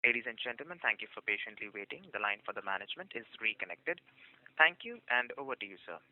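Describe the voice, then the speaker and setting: A man's voice: fairly low pitch, animated, fast, soft background music. A man with an Indian accent working as a conference call operator, making formal, polite scripted announcements in a call-centre manner. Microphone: telephone line. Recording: muffled distant phone conference line.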